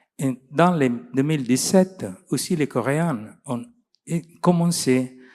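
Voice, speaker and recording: On a very clean recording with a silent background, a man speaks with an Italian accent. He goes at a very slow pace with ordinary pitch variation. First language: Italian (speaking French). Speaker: doctor. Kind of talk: lecture. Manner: halting.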